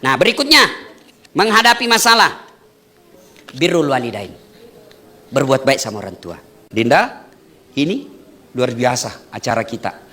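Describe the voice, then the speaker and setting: A male preacher giving a lively, joking wedding sermon to an audience, often asking questions and then answering them himself. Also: mid-range voice, moderate pace, long pauses. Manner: animated, joking, asks and answers own questions.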